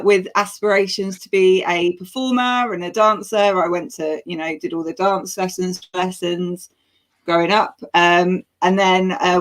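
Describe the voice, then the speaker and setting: A woman from England in her thirties, a guest telling her story with frequent laughter over a video call. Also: mid-range voice. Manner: laughs often, lively storytelling. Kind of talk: casual chat.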